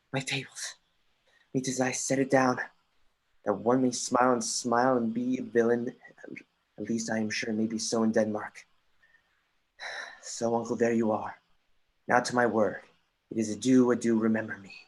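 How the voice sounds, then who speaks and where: An intense young prince played by a man speaks Shakespearean verse in a medium, husky register. He is wry and erratic, impassioned but halting in his delivery. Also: mid-range voice, fairly even intonation, close to an everyday voice, rough recording. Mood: furious. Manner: impassioned, halting reading with stumbles. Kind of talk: Shakespearean verse in a livestreamed dramatic reading. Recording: remote livestream audio.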